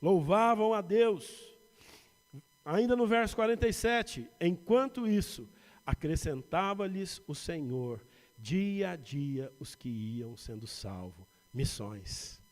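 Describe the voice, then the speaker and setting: A man with a São Paulo Brazilian accent preaches from the pulpit. His voice sits fairly high, rising on emphatic lists and sinking into quiet personal asides. The sound carries a long reverb from the church hall. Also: expressive, slow pace. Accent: Brazilian Portuguese, São Paulo. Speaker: pastor. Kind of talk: sermon. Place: church sanctuary.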